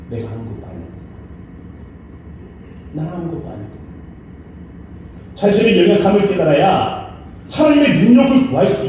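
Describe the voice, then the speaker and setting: A male pastor preaching dramatically, swinging between loud urgent peaks and hushed low asides. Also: a little hiss or hum. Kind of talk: sermon. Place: church sanctuary. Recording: echoey church hall, mic far off.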